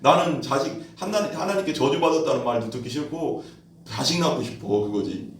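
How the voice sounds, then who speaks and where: A man's voice: a little high, a little fast, a little hiss or hum. A male pastor preaching a sermon in a conversational way, asking rhetorical questions and acting out quoted voices. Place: church hall. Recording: echoey room from far off.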